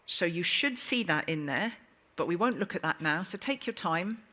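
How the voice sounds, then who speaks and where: A woman's voice: on the low side, animated, normal speed, sharp tone. A woman moderating a live conference panel in a chatty, emphatic, bantering way, addressing guests and audience informally.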